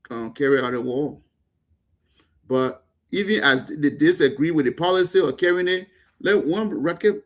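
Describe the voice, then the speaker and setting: Impassioned Liberian man, slightly high voice. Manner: impassioned, emphatic, stumbling restarts. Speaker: panel guest. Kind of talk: heated political talk show discussion.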